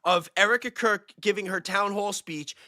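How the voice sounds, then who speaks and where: A man chatting casually on a livestream as a video creator, excitable, blunt and profane, often repeating himself for emphasis. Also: high-pitched, normal speed, over a noisy crowd. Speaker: online video creator on a panel.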